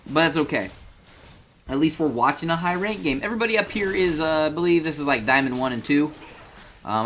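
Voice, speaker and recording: A man giving casual, chatty commentary over game footage, full of fillers and apologetic asides, with bursts of fast, excited play-by-play. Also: a little high, a little hiss or hum.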